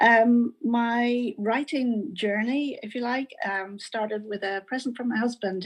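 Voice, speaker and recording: Speaking with a Northern Irish accent, a woman talks at a fairly slow pace and fairly high pitch with ordinary pitch variation and hardly any pauses against a quiet background. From Northern Ireland, Omagh, County Tyrone. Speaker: crime writer, award winner. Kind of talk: acceptance remarks and reading aloud. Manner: hesitant, many ums.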